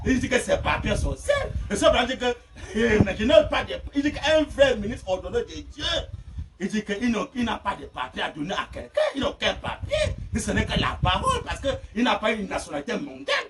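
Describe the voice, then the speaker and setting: High-pitched, shouting preacher. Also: male voice, very animated, fairly quick. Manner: impassioned, shouting, laughing between phrases. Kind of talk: fiery sermon. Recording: distant mic with faint noise.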